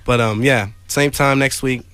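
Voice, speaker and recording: A man's voice: medium pitch, steady tone, a little slow, a crowd in the background. A man co-hosting a casual talk radio show, explaining his points in an informal, conversational way. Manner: conversational, explanatory, says "like" often.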